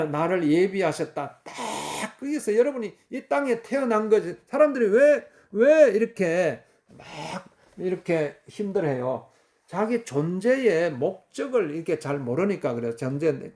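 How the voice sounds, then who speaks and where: A male pastor preaching a fervent sermon, repeating phrases, often clearing his throat and using many fillers. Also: sits high, darkish tone.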